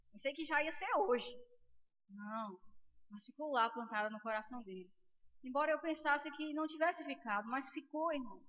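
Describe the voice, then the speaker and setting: A young Brazilian woman preaching a sermon, telling a testimony in a lively way, acting out the dialogue and breaking into loud praise. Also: sits high. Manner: animated storytelling, acts out dialogue, bursts of loud praise. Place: church hall. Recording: dull lo-fi recording in a reverberant church hall.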